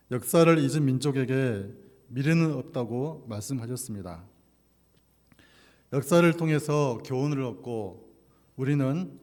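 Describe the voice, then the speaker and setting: A man's voice: medium pitch, darkish tone. A man preaching as a pastor at a church service, speaking from the pulpit in an echoey hall. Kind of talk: sermon with scripture reading and prayer. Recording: echoey hall with long reverb.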